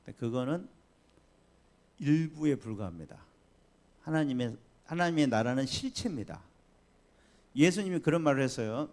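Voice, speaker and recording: A man preaching a Sunday sermon as pastor, chatty and lively, asking the congregation questions and laughing along. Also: medium pitch, moderate pace, pauses often. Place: church sanctuary.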